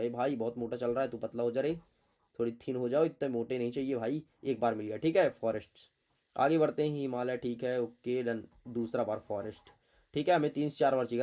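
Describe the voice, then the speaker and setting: A man's voice: mid-range voice, dark tone. A man teaching an exam prep lesson, chatty and playful, talking straight to his students and muttering to himself while he searches the text.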